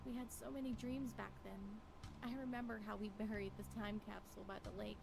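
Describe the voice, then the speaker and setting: A woman playing a lonely, regretful wife in a visual novel, wistful and brooding, with deliberate phrasing. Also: mid-range voice, flat delivery, close to an everyday voice. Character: Violet, lonely regretful wife wandering a forest. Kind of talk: scripted visual novel monologue. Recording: clearly noisy, with ambience behind.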